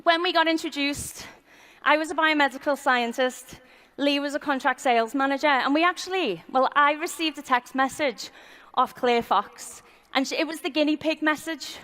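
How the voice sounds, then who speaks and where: A woman's voice: high-pitched, normal speed, sharp tone. A woman speaking as a guest at a business event, telling her personal story in a chatty, informal way with frequent ums, recorded in a large hall. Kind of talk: personal story told on stage. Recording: long reverb of a large hall.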